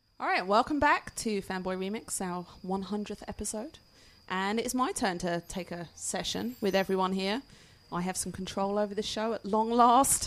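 A woman with an English accent at a medium pitch, moderate pace and ordinary pitch variation. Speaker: podcast co-host. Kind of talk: casual chat. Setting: at a home barbecue.

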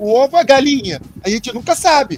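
The sound is dry and close with no echo, though noticeable background noise is present. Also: man. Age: 40s. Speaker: film channel host, podcast guest. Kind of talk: casual chat. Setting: at home in bedroom.

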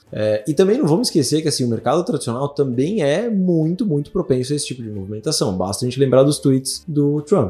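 A very fast, somewhat breathy man with a dark, mellow tone, a fairly high pitch and very wide pitch swings. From Brazil. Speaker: quantitative fund manager. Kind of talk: podcast interview. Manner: hesitant, many fillers.

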